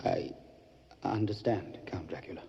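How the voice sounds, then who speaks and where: An actor playing an anxious English solicitor, a frightened guest, speaking in an earnest, halting, fretful manner in an audio drama. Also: male voice, sits low, wildly swooping pitch, vocal fry, husky, heavily acted. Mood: uneasy. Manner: halting, fretful, earnest, breaking phrases with dread. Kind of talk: audio drama acting with diary narration. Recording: dull lo-fi audio with loud music.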